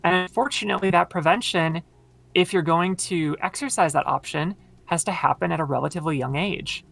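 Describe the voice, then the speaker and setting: Woman with a very low, gravelly voice. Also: fairly quick, a bit bright. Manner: thoughtful, explanatory, many fillers. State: tired voice from long talking. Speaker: podcast guest. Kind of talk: casual conversation.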